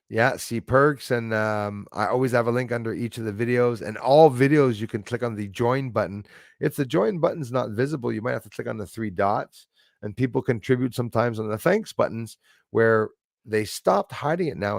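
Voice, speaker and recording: A man's voice: medium pitch, creaky, no echo. Man, Quebec English accent, livestream host, rambling with fillers, dry close sound. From Quebec, Canada. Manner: rambling, hesitant, lots of fillers. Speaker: livestream host reading chat. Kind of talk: casual live chat.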